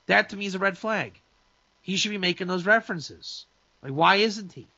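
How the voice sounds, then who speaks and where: Man, rabbi, gravelly, bright tone, emphatic chat, lo-fi sound. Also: high voice, normal speed, no room sound. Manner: emphatic, many restarts and asides. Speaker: rabbi and guest speaker. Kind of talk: casual opinionated talk show chat.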